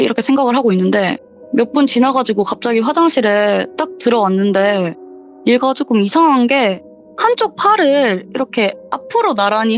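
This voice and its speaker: Young woman, slightly high voice, chatty storyteller who acts out the dialogue; dull lo-fi recording with faint music behind. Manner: chatty, acts out the quoted lines with sudden rises in pitch. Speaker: guest telling a viewer's true horror story. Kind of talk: casual spoken storytelling in an interview.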